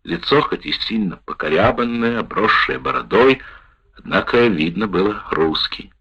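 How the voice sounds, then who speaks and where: A man narrates a wartime memoir in a low, husky voice. His measured reading moves through a wide, lively melody. The recording sounds dull and lo-fi. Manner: measured, expressive first-person reading.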